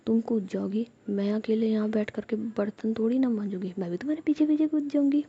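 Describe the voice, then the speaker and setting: A woman's voice: fairly high pitch, fairly quick, dark tone, breathy edge, dull audio. A woman voicing a teasing, stubborn, lovesick young woman who talks in a playful, coaxing way.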